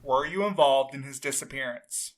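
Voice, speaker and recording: An actor playing a determined young courier in an audio drama, pressing with pointed questions. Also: male voice, mid-range voice, moderate pace, natural voice, rough recording. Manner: pressing, accusatory.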